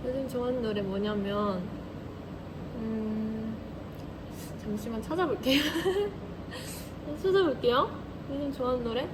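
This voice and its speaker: A woman's voice: on the high side, measured pace, long pauses. Giggly chatty young woman, noisy background. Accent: Korean regional dialect. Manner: giggly, chatty, reads and answers comments. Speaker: idol livestream host. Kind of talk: casual livestream chat.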